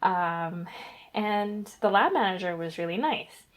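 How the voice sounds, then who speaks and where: A woman's voice: mid-range voice, lively intonation, unhurried. A young woman from Guyana, a guest researcher, answering interview questions in a chatty, rambling way with fillers and self-corrections.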